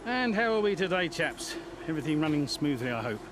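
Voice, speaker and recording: An actor playing a jovial, scheming middle-aged team boss, chummy and chuckling. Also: male voice, a little high, big pitch swings, a little fast, background noise.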